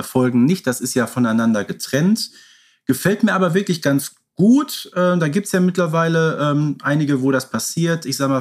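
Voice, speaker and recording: A man co-hosting a casual fan podcast, speaking in a measured, appreciative way. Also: a little high. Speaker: podcast co-host.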